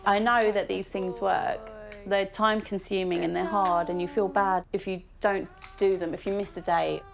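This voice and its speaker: A woman's voice: medium pitch, flat delivery, moderate pace, creaky, soft background music. A mother of a disabled child talking candidly at home, switching to sing-song baby talk and at times tearful. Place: family home. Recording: noisy handheld documentary audio.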